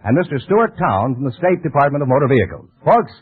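A man's voice: fairly high pitch, very animated, quick pace, husky, no echo, narrow, tinny audio. An American man announcing contestants in a scripted old-time radio quiz style. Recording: dry band-limited old radio broadcast.

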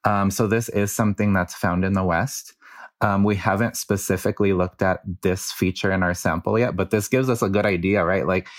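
Low flat-voiced man explaining. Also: moderate pace, no echo, clean studio sound. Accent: New Mexico Chicano English. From New Mexico. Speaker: linguistics researcher guest. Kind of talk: explanatory interview talk.

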